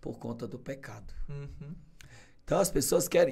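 The male voice carries vocal fry. Its pitch moves over a very wide range. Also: quiet background. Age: 40s. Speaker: podcast guest, preacher. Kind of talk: testimony in podcast interview. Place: studio. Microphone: studio mic.

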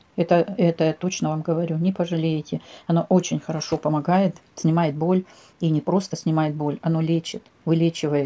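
At a moderate pace, a woman talks in a very deep, low pitch with a dark, mellow tone and fairly even intonation. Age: 60s. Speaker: customer giving product testimonial. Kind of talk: testimony; testimonial. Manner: halting. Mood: earnest, grateful. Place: home room. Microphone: phone near.

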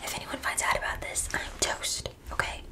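The speaker is whispering. The pace is moderate. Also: woman. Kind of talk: scripted roleplay talk to viewer. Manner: soft, hushed confiding ASMR voice. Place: home room. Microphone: phone near.

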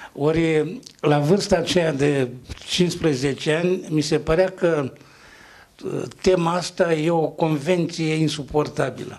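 Very slowly, a man speaks in a fairly high voice, with very even loudness and fairly even intonation. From Romania, Oltenia (Gorj/Mehedinți); Romania. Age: 60s. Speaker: poet. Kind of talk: speech at literary celebration. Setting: hall with live audience. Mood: relaxed, smiling. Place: hall. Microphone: handheld.

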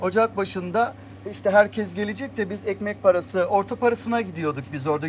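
A man with a high-pitched voice speaks at a moderate pace and with lively intonation, light noise in the background. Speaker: talk show guest. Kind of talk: interview answer, storytelling. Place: studio. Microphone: lapel.

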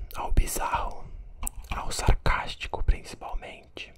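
A man whispers at a very slow pace. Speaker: film reviewer. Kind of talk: casual vlog chat. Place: home room. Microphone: studio mic.

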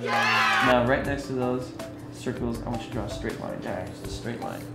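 Loud background noise sits behind this man's voice. He talks at a moderate pace. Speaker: story artist. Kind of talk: drawing instruction. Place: office.

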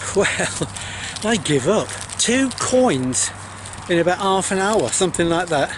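With lively intonation and long, frequent pauses, a man speaks in a high pitch over noticeable background noise, the sound dry with no echo. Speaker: metal detectorist. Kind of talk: casual talk to camera. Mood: cheerful, jokey. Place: open country. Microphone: phone near.

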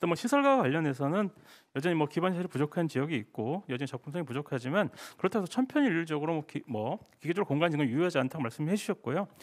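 A man talks very fast in a fairly high voice with lively intonation. The background is quiet. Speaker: panel moderator. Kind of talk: panel moderation. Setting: panel discussion, in-person venue with livestream. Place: hall. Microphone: handheld.

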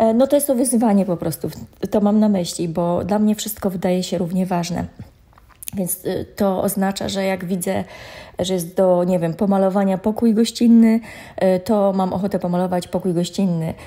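With a dark, mellow tone and fairly even intonation, a woman speaks at a moderate pace against a quiet background. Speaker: artist podcaster. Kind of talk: casual podcast monologue. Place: home room.

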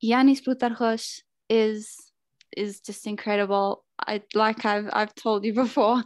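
Someone speaks with a South African accent at a fairly slow pace. The intonation is monotone and flat, and the background is quiet. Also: woman, fairly high pitch for a woman. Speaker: singer-songwriter and medical student. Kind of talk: casual interview. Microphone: earbuds.

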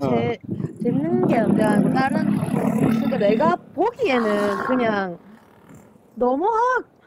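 Someone with a Busan accent speaks at a very slow pace with long, frequent pauses, the sound dry with no echo despite loud background noise. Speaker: longtime friend on the phone. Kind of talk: casual phone call with a friend.

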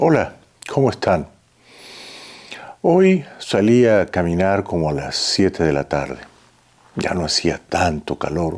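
A man with a very deep, low pitch and lively intonation speaks very slowly, leaving long, frequent pauses against a quiet background. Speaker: video commentator on politics. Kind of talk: storytelling monologue to camera. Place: home room. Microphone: lapel.

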